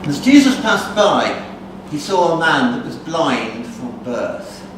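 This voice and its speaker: A man giving a dramatic scripture recitation at a conference, with an expressive, theatrical storytelling delivery. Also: fairly high pitch, slow pace. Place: conference hall. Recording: echoey hall from far off, noisy.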